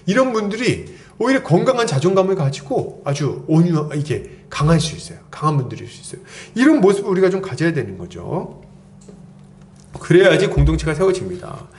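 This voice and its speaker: A middle-aged man preaches to his congregation in a chatty, playful way. His voice sits a little high and swings widely in pitch. He slips into quick mock quotes to make a point. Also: sing-song, a little mellow. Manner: conversational preaching with playful acted quotes and asides. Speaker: pastor. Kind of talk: expository sermon.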